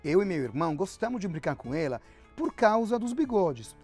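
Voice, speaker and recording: A man's voice: high voice, big pitch swings, normal speed, darkish tone, soft background music. A man in his fifties with an Italian accent, a guest author talking in a musing way and often restarting his sentences. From Italy. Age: 50s. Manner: musing, with frequent restarts and fillers. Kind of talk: reflective interview talk.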